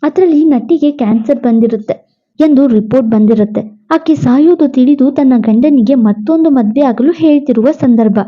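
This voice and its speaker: A woman narrating a romance story in a brisk, expressive reading style. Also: high voice. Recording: dull lo-fi audio.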